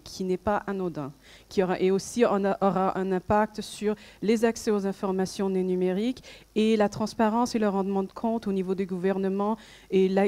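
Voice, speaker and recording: A woman with a Canadian French accent speaks at a public debate. Her tone is mellow and relaxed. She hesitates often, filling gaps and restarting her sentences as she explains. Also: medium pitch. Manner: hesitant, many fillers and restarts. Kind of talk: conference talk.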